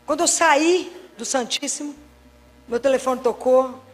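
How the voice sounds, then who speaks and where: A Catholic doctor giving a faith talk, telling anecdotes and acting out dialogues with wry humor. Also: female voice, high-pitched, measured pace, long reverb tail. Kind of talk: preaching talk with lively anecdotes.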